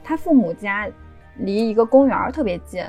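A woman's voice: mid-range voice, expressive, normal speed, dark tone, faint music behind. A woman hosting a podcast, telling a story in a chatty, casual way. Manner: chatty, with frequent erhua endings. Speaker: podcast host.

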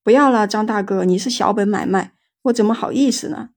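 A woman's voice: medium pitch, fairly quick, husky. A woman doing a coaxing ghost girl in white.

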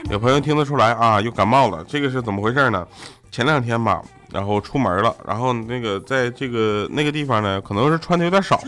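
A man's voice: mid-range voice, fast, fairly bright tone. Young male comic host, joking and laughing through anecdotes. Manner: jokey, laughs often, mimics family in quotes. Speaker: radio show host. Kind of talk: comedic storytelling chat.

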